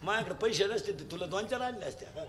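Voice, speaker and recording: A man giving a comic devotional kirtan sermon, joking and telling lively stories with acted-out quotes. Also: sits high, quick pace, background noise. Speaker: kirtan preacher.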